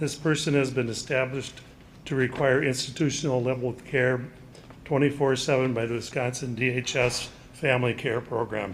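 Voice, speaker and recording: A man talks at a moderate pace and medium pitch with fairly even intonation. There is audible room echo. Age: 70s. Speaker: caregiver testifying at public hearing. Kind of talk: public testimony. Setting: public hearing room. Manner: halting, with restarts.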